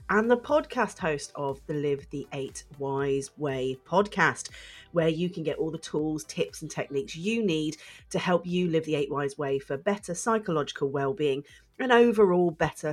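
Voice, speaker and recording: Stuffy-nosed woman hosting a podcast. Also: low voice. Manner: earnest, emphatic word repeats. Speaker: psychotherapist and podcast host. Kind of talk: solo podcast monologue.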